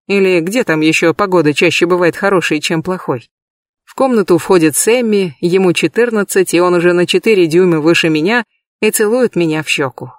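A man giving a measured, lightly expressive first-person audiobook reading, recorded close in a booth. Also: high-pitched, no room sound. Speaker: audiobook reader.

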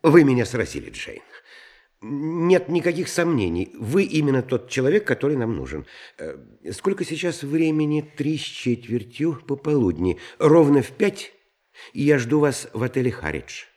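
An actor playing a suave, secretive count in an audio drama, courteous and deliberate, with hesitant pauses. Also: male voice, mid-range voice, very animated, darkish tone. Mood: satisfied, businesslike. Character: suave, secretive foreign count recruiting a young woman. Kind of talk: theatrical audio drama acting.

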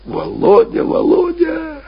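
A man's voice: very high-pitched, huge pitch swings, slow, gravelly, voice pushed up, full character voice. A man voicing a sanctimonious, self-pitying landowner father with unctuous, lamenting exclamations in a dramatised literary reading. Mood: mawkish lament. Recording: dull, lo-fi old radio recording.

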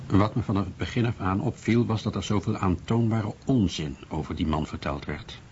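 A man acting as a blunt, firm writer recounts his search for truth in a very deep voice. It is a dull recording with faint noise. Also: moderate pace, a little mellow, close to an everyday voice. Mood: matter-of-fact, probing. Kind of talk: scripted first-person dramatised account.

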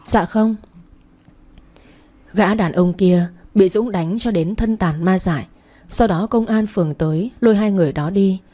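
A woman's voice: medium pitch, normal speed, warm tone. A woman reading a first-person story aloud, voicing the characters herself. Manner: dramatic reading that voices every character.

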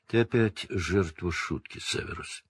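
A man voicing a hoarse, haunted escaped male prisoner in a storybook reading. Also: sits low, measured pace, no echo, studio quality. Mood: hoarse pleading.

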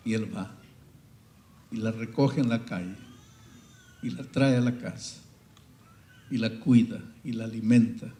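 A male pastor preaching a sermon, dramatic and storytelling, swinging between loud peaks and hushed passages. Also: fairly low pitch, a little slow, long pauses, reverberant.

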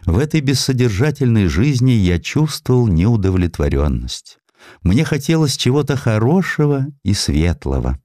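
A man voicing an idealistic clerk on trial in an audio drama, speaking in earnest, deliberate, quietly defiant oratory. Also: medium pitch, very animated, no echo, studio quality, voice pushed up, lightly acted. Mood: earnest, indignant.

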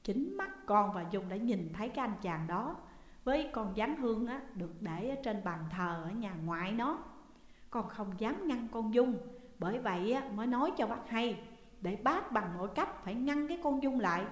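A woman doing a young Southern Vietnamese schoolgirl, gossipy and anxious, talking quick and confiding in a fairly high voice. It sounds like an audio story, with the voice carrying a roomy, long reverb. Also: lively intonation, lightly acted. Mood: urgent. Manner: urgent, confiding. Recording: echoey room with long reverb.

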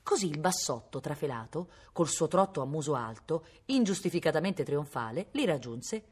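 Low, expressive woman reading a novel. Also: moderate pace, husky. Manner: expressive, mimics animal sounds. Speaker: reader. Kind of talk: read-aloud novel narration.

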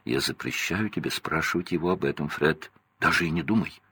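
A man's voice: lowish voice, animated, moderate pace, a bit bright, a little hiss or hum, pitched above the performer's own voice. A man voicing a proud, strict mother who scolds and fusses over her children. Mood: stern.

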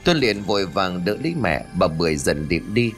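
A man narrating a spooky family story in an expressive, dramatic storytelling style. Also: deep voice, brisk. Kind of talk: scripted narration. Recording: faint background music.

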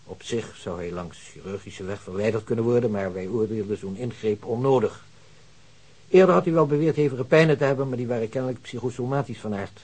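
A man playing a self-assured hospital physician in a radio drama. He explains with pedantic precision in a measured manner, his middle-pitched voice carrying some roughness. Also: a little mellow, close to an everyday voice. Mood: clinical, explanatory. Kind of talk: Dutch radio drama dialogue.

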